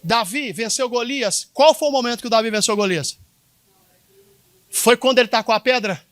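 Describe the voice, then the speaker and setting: Man, Minas Gerais accent, very high-pitched, sermon, emphatic, repeats himself, addresses congregation. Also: normal speed, a bit bright. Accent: Minas Gerais Brazilian Portuguese. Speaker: pastor.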